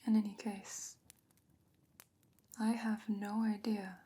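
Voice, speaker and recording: Woman playing a hushed, whispering fantasy sorceress. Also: medium pitch, flat delivery. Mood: pensive, grave. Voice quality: breathy, largely whispered. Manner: measured, pensive, hushed, with deliberate pauses. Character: calm, thoughtful fantasy sorceress advising a pirate captain. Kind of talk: soft-spoken ASMR fantasy roleplay.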